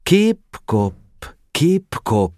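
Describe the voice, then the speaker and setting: A man's voice: mid-range voice, sing-song, darkish tone, a little hiss or hum. A man narrating a children's story as storyteller, reading from a script with great expression.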